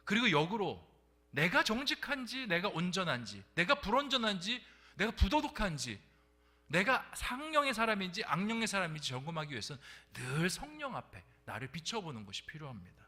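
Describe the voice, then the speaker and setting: A man's voice: high-pitched, very animated, a little fast, sharp tone. A middle-aged man preaching a sermon as pastor at a Friday prayer meeting, often dropping to a whisper for emphasis and putting questions to the congregation. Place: church sanctuary.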